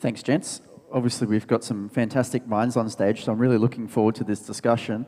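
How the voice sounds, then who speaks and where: A man with an Australian accent talks at a fairly quick pace in a medium pitch, his tone dark and mellow and his intonation monotone and flat. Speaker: panel moderator. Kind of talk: conference panel moderation. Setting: stage with audience.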